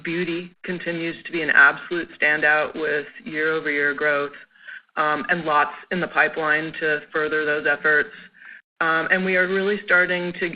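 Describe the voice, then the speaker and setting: A woman speaking as a chief executive, giving upbeat, promotional answers on an earnings call. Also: low voice. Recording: muffled, noisy conference phone line.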